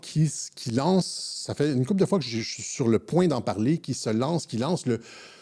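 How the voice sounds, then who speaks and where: Fairly quick and lively in intonation, a man talks at a fairly high pitch with a dark, mellow tone. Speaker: political commentator. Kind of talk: political commentary monologue. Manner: fast.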